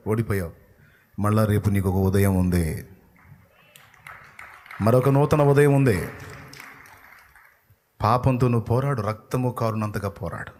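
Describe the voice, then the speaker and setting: A male pastor with a Telugu accent and a lowish voice preaches an evangelical sermon, scolding and urging his listeners. He swings between loud outbursts and hushed lines.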